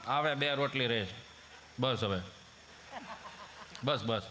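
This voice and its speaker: A man voicing an impatient father who gruffly snaps at a crying child. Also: mid-range voice, slow, sharp tone, a little hiss or hum, voice pushed down. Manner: gruff, curt, snapping.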